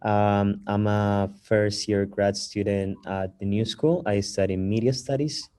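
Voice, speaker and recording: A man from Colombia talks in a very deep, flat voice with a dark, mellow tone. He introduces himself slowly and hesitantly, with many ums, over a video call. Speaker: theater director panelist. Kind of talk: casual panel introduction. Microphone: video call mic.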